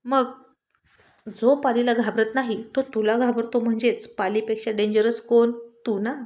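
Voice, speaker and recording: A woman's voice: fairly high pitch, flat delivery, measured pace, darkish tone, natural voice. A woman voicing a stern but affectionate father who lectures his son and teases his wife. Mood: stern, teasing. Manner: firm, lecturing, teasing.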